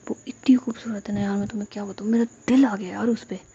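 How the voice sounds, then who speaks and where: A woman's voice: mid-range voice, fairly even intonation, fast, mellow, muffled recording, slight background noise, close to an everyday voice. A woman voicing a playful young woman in love, with a dramatic, sulky way of talking.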